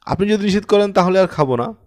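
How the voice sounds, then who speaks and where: A man's voice: sits high, animated, fast, voice pushed up. A man voicing a meek, earnest, eccentric elderly male exercise teacher, deferential and pleading, in an audiobook story. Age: older.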